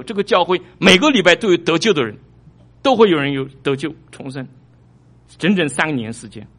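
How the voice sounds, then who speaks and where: A male pastor preaching a sermon, animated, surging louder for emphasis and repeating his phrases. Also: fairly high pitch. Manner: repeats phrases, small restarts.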